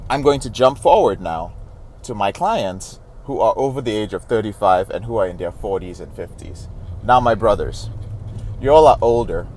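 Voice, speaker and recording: A man's voice: lowish voice, expressive, moderate pace, a little mellow, slight background noise. A man working as a recovery coach, giving earnest, direct advice to camera and calling his listeners brothers.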